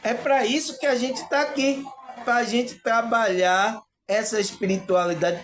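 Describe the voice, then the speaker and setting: A man talking casually and earnestly to his viewers about spiritual perception, often checking in with "you know?" and laughing. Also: sits high. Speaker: spiritual video host.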